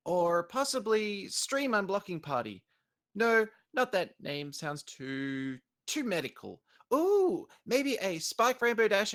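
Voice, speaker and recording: A woman's voice: medium pitch, fairly bright tone. A woman voicing a young, bubbly, chatty female pony in a cartoon audio drama. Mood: playful musing.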